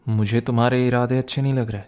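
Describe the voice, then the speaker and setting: Guy acting as a young boyfriend, dark mellow voice, teasing n protective, soft asmr roleplay style. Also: medium pitch, little pitch movement, fast, clear, resonant tone, natural voice. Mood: teasing, wary.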